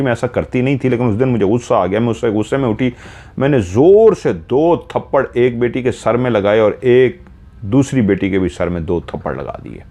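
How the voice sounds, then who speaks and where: A man narrating a horror story in the first person, slow and measured, retelling events step by step. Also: on the low side, dark tone.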